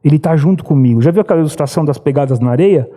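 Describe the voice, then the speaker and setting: A man's voice: racing, mellow. A man in his thirties with a Brazilian accent, preaching a sermon in church and telling stories earnestly. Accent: Brazilian Portuguese. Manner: earnest storytelling preacher, rises in pitch when urging. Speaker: pastor. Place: church sanctuary.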